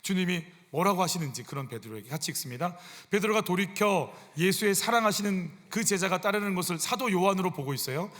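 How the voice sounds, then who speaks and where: A man's voice: high voice, lively intonation, fast, hardly any pauses, fairly bright tone. A man, a senior pastor, preaching a sermon in a conversational style, asking his congregation frequent rhetorical questions. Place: church sanctuary. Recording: long church hall reverb.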